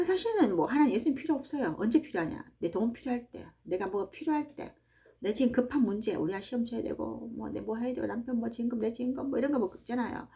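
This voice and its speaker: A woman, hosting a book-reading channel and talking in a chatty, animated way about faith and daily life, speaking straight to her listeners from a small farm hut. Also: fairly high pitch. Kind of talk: casual devotional talk to listeners.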